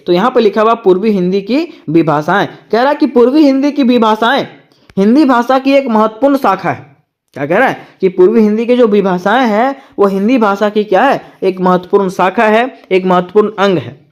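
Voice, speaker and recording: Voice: mid-range voice, brisk. A tutor giving an exam-prep lecture, asking rhetorical questions and answering them, repeating each point twice.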